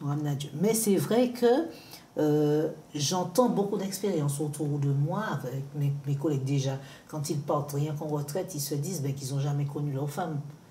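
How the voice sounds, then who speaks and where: A woman with a very deep, low pitch and ordinary pitch variation speaks at a moderate pace, with audible room echo and noticeable background noise. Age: 60s. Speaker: guest speaking about her marriage. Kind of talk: talk show testimony.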